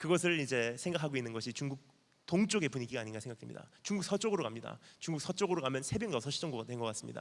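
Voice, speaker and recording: A man with a slight non-native accent, medium pitch, vocal fry, lively intonation and a very fast pace. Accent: non-fluent Korean, slightly foreign. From grew up in Korea until age 9, then the US. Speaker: missionary preacher. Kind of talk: sermon. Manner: halting, stammers.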